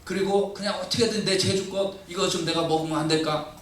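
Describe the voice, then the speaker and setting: A man's voice: sits high, steady tone, a little fast, fairly bright tone, slight background noise. A pastor voicing a sulky young boy who whines and defies his mother, heard from a distance in an echoey church hall. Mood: whiny. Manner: whiny, defiant.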